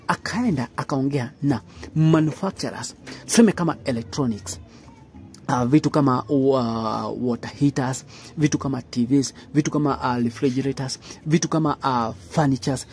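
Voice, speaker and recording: A man with a Kenyan accent giving informal news commentary in an emphatic, halting way, repeating phrases. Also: mid-range voice, warm tone, slight background noise. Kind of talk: informal news commentary mixing English and Swahili.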